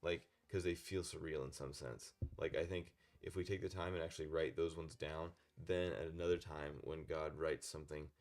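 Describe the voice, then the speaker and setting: A man's voice: extremely low pitch, fairly even intonation, moderate pace, few pauses, darkish tone. A man co-hosting a casual podcast, talking about faith and dreams in a rambling way, often restarting mid-word. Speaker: podcast co-host.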